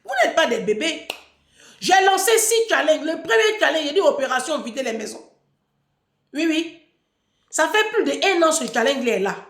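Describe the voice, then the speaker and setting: High-pitched woman scolding her followers. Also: sing-song, normal speed, pauses often, reverberant. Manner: scolding, emphatic, repeats words. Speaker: online personality addressing followers. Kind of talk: unscripted livestream monologue.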